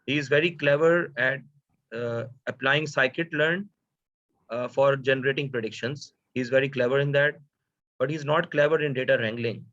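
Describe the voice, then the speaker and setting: A man with a South Asian accent giving an informal data science lecture, speaking haltingly with frequent hesitations and rhetorical questions. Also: mid-range voice, a bit bright, dry recording. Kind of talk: informal lecture, code-switching. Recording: dull, dry lo-fi audio.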